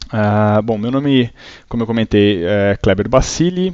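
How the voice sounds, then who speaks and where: Speaking in an interior São Paulo accent, a man goes at a fairly slow pace with ordinary pitch variation. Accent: caipira accent of interior São Paulo. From interior of São Paulo state, Brazil. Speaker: company CEO presenting a webinar. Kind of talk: webinar presentation. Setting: online webinar. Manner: many filler hesitations.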